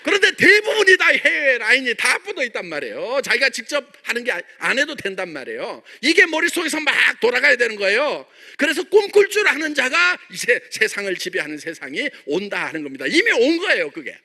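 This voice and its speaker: A man's voice: very high-pitched, big pitch swings, fairly quick, few pauses, bright, forceful tone. A middle-aged man from Jeolla, a company chairman giving a joking motivational stage speech full of rhetorical questions to his members. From Jeolla, South Korea.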